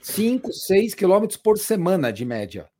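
A man talking in a relaxed, chatty way, repeating words for emphasis. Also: high voice, normal speed, a little hiss or hum. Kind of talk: casual chat.

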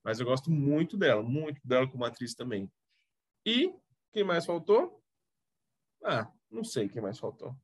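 A man's voice: mid-range voice, very animated, moderate pace, husky, no echo. A man with a Brazilian accent chatting casually as a podcast co-host, coughing now and then while talking through a TV episode. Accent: Brazilian Portuguese. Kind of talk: casual chat reviewing a TV series.

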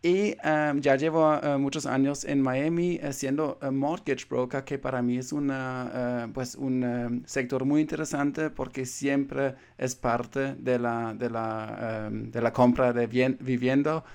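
A man's voice: medium pitch, little pitch movement, unhurried, few pauses, a little mellow, clean tone. A man hosting an interview, asking questions hesitantly with many filler sounds. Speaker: interview host.

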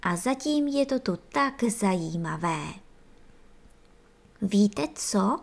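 A woman voicing an eager, helpful young male ant in a storybook reading, speaking in a lively way. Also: mid-range voice, gravelly.

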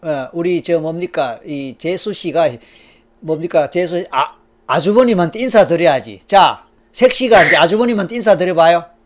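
A man's voice: fairly high pitch, normal speed. A male counselor guiding a trance session, coaxing and prompting in a ceremonial tone.

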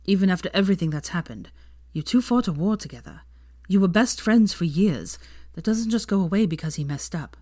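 A woman reading the lines of a young man who is a tired, blunt father, speaking in a low, muttered, weary way. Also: lively intonation, a little fast, a little mellow, dry recording, studio quality.

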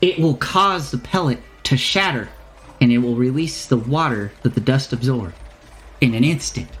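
A man's voice: medium pitch, normal speed, lightly acted. A man doing a shifty, greedy potion shopkeeper. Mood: chatty. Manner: put-on accent that keeps slipping; stalling and hesitant.

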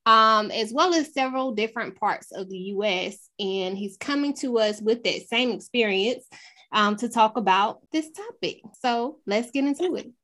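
A woman co-hosting a podcast in casual chat, playful and quick to interject, slipping into vernacular. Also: fairly high pitch, fairly bright tone. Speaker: podcast co-host.

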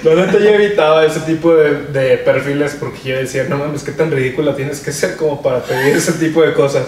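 A man's voice: on the high side, brisk, darkish tone. Young Mexican male co-host, confident advice tone, recorded roomy and off-mic. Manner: confident, advice-giving, slangy. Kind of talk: casual chat. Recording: roomy, distant mic, faint noise.

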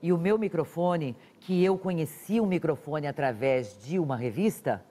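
A woman guest on a talk show, telling lively stories and laughing often. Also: low-pitched, moderate pace. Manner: animated storyteller, laughs often.

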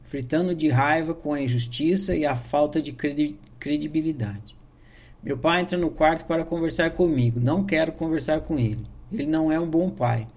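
Man, brazilian accent, slightly high voice, earnest reflective diary reading. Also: normal speed, a little mellow. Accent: Brazilian Portuguese. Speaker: diary narrator. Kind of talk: reading a personal diary aloud.

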